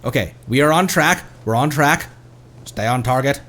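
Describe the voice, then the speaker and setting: A man hosting a live game stream with casual, expressive, self-teasing commentary. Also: mid-range voice, moderate pace.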